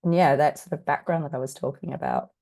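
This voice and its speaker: Husky, croaky woman leading a workshop. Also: low voice, fast, warm tone. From New Zealand. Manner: chatty, self-deprecating, many fillers. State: croaky, recovering from illness. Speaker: workshop presenter. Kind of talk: casual online workshop talk. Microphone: video call.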